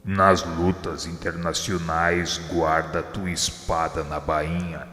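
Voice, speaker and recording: Man playing Jesus, very deep, slow, bright ringing tone, Brazilian Portuguese accent, long hall reverb, soft music. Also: little pitch movement. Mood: solemn. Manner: grave, measured solemn pronouncement. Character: Jesus, solemn divine man giving a mission. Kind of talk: radio drama acting.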